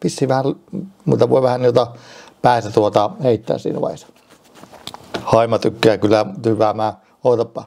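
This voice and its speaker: A man from Finland chats at home in a loose, rambling way, trailing off and restarting his words as he jokes along. His voice is mellow and relaxed, sitting in an ordinary middle pitch. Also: vocal fry, a little hiss or hum. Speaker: vlogger. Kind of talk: rambling casual vlog.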